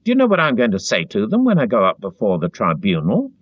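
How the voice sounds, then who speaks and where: A man voicing a frightened, servile middle-aged man who pleads eagerly in a high, strained voice. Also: wildly swooping pitch, fast talker, dry recording. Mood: feverish. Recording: dull dry lo-fi recording.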